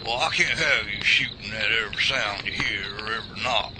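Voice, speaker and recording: An actor playing a gruff, bossy old Southern man, a hard-of-hearing veteran, with a folksy rural Southern US drawl in a radio drama. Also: fairly low pitch, brisk, very noisy, close to an everyday voice. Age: older. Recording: loud night crickets behind.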